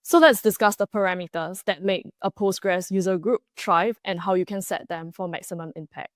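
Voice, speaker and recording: A woman's voice: fairly low pitch, normal speed, no echo. Upbeat woman giving a prepared talk, dry sound. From Singapore. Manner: enthusiastic, reads prepared remarks with small restarts. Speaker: conference speaker.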